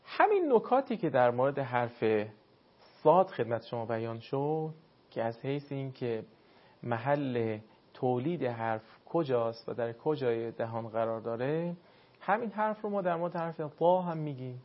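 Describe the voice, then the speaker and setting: A man teaching the pronunciation of Arabic letters for recitation, explaining patiently and slowing down to demonstrate each sound. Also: medium pitch, lively intonation. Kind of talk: spoken pronunciation lesson. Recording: dull lo-fi sound.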